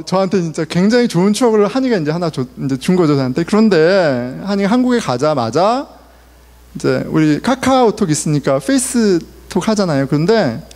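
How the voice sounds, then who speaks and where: A man's voice: high-pitched, a little mellow, in a large hall. A male pastor in his forties preaching a sermon in a conversational way, asking the congregation questions and telling family stories. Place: church sanctuary.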